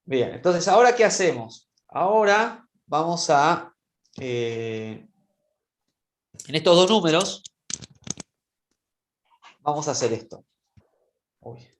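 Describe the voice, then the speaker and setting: A man's voice: a little high, animated, slow pace, pauses often, slight background noise. Patient man teaching a class, roomy sound. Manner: patient, keeps checking in with students. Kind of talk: online class screen-share demonstration. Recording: roomy echo.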